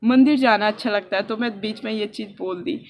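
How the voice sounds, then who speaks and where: A young woman from India talking softly and earnestly in a personal vlog, recorded outdoors on a rooftop with a phone on a selfie stick. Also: medium pitch, brisk, slight background noise. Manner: earnest and heartfelt, speaking softly. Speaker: vlogger.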